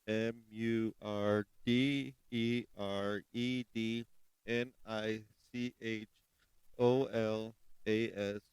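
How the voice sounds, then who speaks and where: A man's voice: lowish voice, smooth, no echo, low-quality recording. A man from Chicago hosting a casual true crime podcast, rambling and correcting himself as he goes. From Chicago, United States. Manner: rambling, self-correcting, spells things out slowly. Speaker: podcast host.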